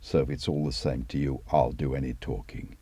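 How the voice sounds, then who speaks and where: A man's voice: a bass voice, steady tone, a little fast, mellow, husky, dry recording, heavily acted. A man reading an audiobook, voicing an obliging, practical male fixer who talks in a chatty, colloquial way. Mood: matey briefing. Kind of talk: audiobook character voice.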